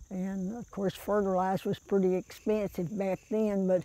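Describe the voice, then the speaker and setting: Speaking at a moderate pace, a woman uses a medium pitch and a dark, mellow tone in a monotone, flat intonation. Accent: Southern Appalachian. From US South, western North Carolina mountains. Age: 80s+. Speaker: farm elder. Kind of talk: oral history interview.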